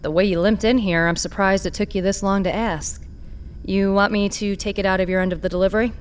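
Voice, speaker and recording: A woman acting a wry, streetwise black-market trader who patches up cyborgs in a sci-fi audio drama, sardonic and expressive. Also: mid-range voice, a little fast, a little hiss or hum, natural voice. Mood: businesslike, teasing.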